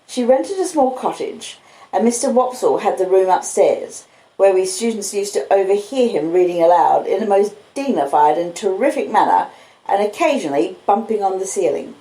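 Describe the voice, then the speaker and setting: A woman with an Australian accent, reading and chatting in an unhurried, cosy storytelling way, recorded on basic home equipment. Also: medium pitch, expressive, dark tone. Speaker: podcaster and audiobook reader. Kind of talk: relaxed live chat and literary storybook reading. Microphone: laptop and phone microphones. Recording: roomy echo, basic laptop and phone audio.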